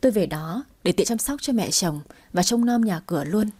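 A woman's voice: medium pitch, animated, normal speed, warm tone, husky. A woman in her twenties narrating her own sad family story in a sorrowful, reflective way. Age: 20s. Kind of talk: first-person story narration.

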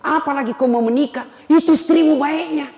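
A man's voice: extremely high pitch, a little fast, creaky, darkish tone, pitched above the performer's own voice. A man voicing a stern old mother who scolds her son emphatically. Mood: scolding. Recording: echoey hall, long reverb.

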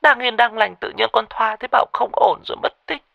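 A man's voice: a little high, a little fast, no echo, lo-fi sound, pitched above the performer's own voice, close to an everyday voice. A man voicing a terrified young woman who stammers and pleads over the phone in a ghost story. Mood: frightened. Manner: stammering, panicky, breathless pleading.

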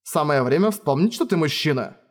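A man voicing a cold, blunt swordswoman who speaks deadpan and threatens calmly. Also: on the high side, brisk.

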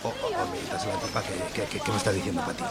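A man's voice: low voice, huge pitch swings, very fast, over a noisy crowd. A man playing an awkward, self-important, stammering suitor in a radio soap comedy. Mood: flustered, lovestruck.

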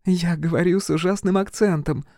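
A man's voice: high-pitched, steady tone, moderate pace, a little mellow, no room sound, clean studio sound, voice pushed up. A male reader voicing a shy, polite young common-born girl, humble and respectful.

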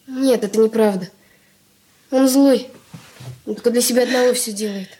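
An actress playing a resentful, sharp-tongued young sister in a radio drama, quick and blunt. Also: female voice, a little high, close to an everyday voice. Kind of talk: 1980s studio radio drama acting.

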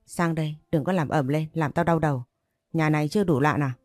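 Woman doing a stern old household head, storybook figure, gruff commands, low mellow voice. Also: a little fast, no echo, clean studio sound, soft background music, natural voice. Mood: angry.

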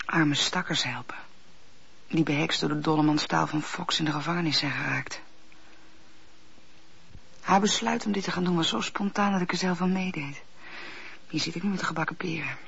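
Teenage maidservant, sceptical, hushed, very husky, radio play, muffled old recording. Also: female voice, low-pitched, normal speed, long pauses, exaggerated voice. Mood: resentful, hushed. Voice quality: breathy, husky. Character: sullen, sceptical seventeen-year-old maidservant confiding in her diary. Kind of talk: Dutch radio play acting.

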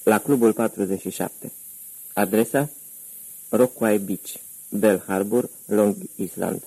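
A man reading the lines of a frightened young woman caught by gangsters, in a low gravelly voice. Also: steady tone, mellow, rough recording. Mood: evasive. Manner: defiant turning to panicked pleading.

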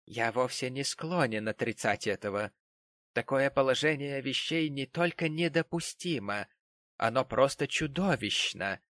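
A man's voice: medium pitch, expressive, measured pace, a bit bright, dry recording, voice pushed up. A man voicing an earnest young man who speaks firmly and with restraint, in an audiobook reading. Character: earnest young man defending his sister.

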